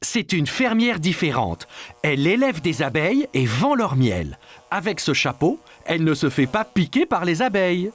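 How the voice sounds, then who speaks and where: Very animated cartoon dad. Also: male voice, a little high, normal speed. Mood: explaining. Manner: explains things simply. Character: patient, friendly father in a children's cartoon. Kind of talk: French-dubbed children's cartoon acting.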